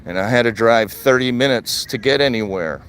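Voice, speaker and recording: An older man from Wisconsin vlogs on a live stream while walking outdoors through a retirement community. He chats plainly and conversationally, repeating his points. His voice is medium-pitched and fairly bright, at a moderate pace, with a little hiss or hum.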